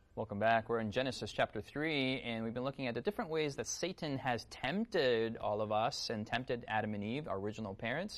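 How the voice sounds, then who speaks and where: A man with a medium-pitched voice and ordinary pitch variation, an ordinary speaking voice, hardly any pauses, quiet background. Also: fairly quick pace. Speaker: podcast host. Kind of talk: Bible discussion podcast. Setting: studio.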